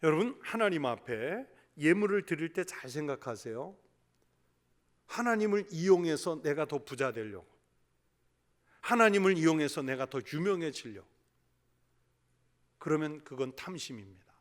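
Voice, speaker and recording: A male pastor preaching a sermon, putting rhetorical questions to the congregation and dropping to a hush for emphasis. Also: fairly high pitch, very animated, normal speed, pauses often.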